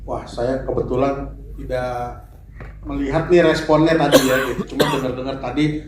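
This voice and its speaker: A man's voice: mid-range voice, flat delivery, moderate pace, slight background noise. A man answering a host's question at a press conference, hesitant and full of fillers. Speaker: film guest at a press conference. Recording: echoey room.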